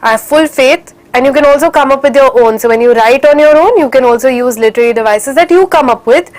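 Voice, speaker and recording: With a high-pitched, darkish voice and quick delivery, a young woman runs an online English lesson for children. Her Indian English is encouraging and dotted with Hindi phrases, and a cold leaves her a bit congested.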